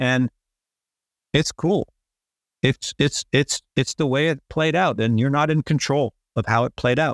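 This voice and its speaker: A man's fairly high voice with an American accent, fairly slow with long, frequent pauses, very even loudness and ordinary pitch variation, in a dry, close sound with no echo and a very clean recording with a silent background. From US, New Jersey. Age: 60s. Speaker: performance coach and author. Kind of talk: casual interview conversation.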